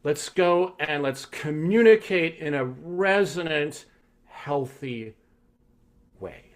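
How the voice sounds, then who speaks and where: Slow-paced male vocal coach. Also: on the high side, lively intonation. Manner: coaching tone, frequent "right?" check-ins. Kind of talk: live online masterclass teaching.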